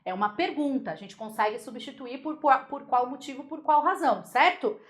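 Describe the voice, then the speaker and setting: A Brazilian woman teaching Portuguese grammar for exam prep, lively and chatty, checking in with her students again and again. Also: sits high, moderate pace.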